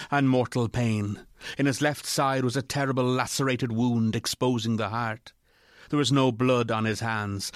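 A man playing the grave narrator of a classic ghost story, in measured, formal audio drama narration. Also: mid-range voice, no echo, clean studio sound, natural voice.

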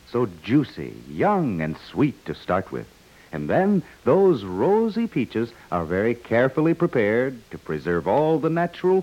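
A man's voice: on the low side, darkish tone. A man announcing a commercial in a scripted 1950s radio advertising style. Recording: dull, lo-fi 1950s radio recording.

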